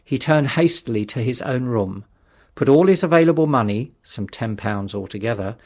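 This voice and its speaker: Male audiobook narrator, measured and dramatic. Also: medium pitch, expressive. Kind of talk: scripted literary narration.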